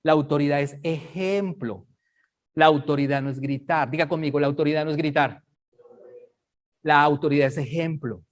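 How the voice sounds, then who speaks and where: Emphatic preacher, conversational. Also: male voice, on the high side, fairly even intonation, moderate pace. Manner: conversational, emphatic, checks listeners understand. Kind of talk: Bible study sermon.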